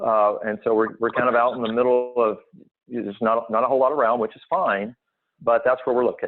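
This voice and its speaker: Fairly quick in pace, a man with an American accent uses a normal speaking voice at a medium pitch. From US South, Mobile, Alabama. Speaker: prison healthcare executive. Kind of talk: interview.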